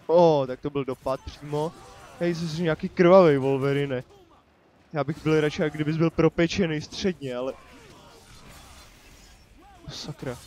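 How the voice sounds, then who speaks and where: A let's play commentator from Czechia casually talks over his own gameplay, chatty and joking and addressing the enemies on screen. His voice is a little high and a little mellow, picked up by a desk microphone.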